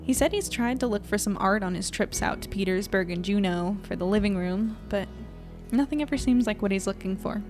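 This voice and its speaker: Audio drama reporter, actress playing young woman, mid-pitched, self-mocking and hesitant, music underneath. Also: a little fast, close to an everyday voice. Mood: musing. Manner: wry, rambling, hesitant. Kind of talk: audio drama acting, intimate diary monologue.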